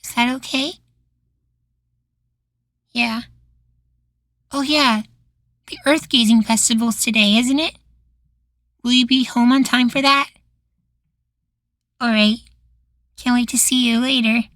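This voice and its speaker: A man voicing a cheerful, naive young boywife in an intimate ASMR roleplay, soft, doting and chatty. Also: extremely high pitch, fairly even intonation, slow, long pauses, dry recording, heavily acted. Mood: affectionate.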